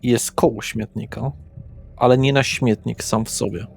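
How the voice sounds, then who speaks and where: A man narrating a tabletop roleplay session as game master, measured and deliberate. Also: medium pitch, steady tone, vocal fry, a little mellow, breathy edge. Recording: faint music behind.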